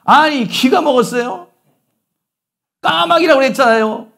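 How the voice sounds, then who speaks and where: A man's voice: very high-pitched, unhurried, vocal fry, a bit bright, voice pushed up, full character voice. A man voicing an impatient grown son who snaps at his old father, in a sermon story. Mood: irritated.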